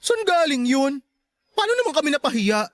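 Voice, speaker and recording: A woman playing a sassy, sharp-tongued gay best friend in a Filipino radio drama, catty and taunting with a Filipino accent. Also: high voice, very animated, normal speed, dry recording, clean studio sound. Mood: sassy, mocking.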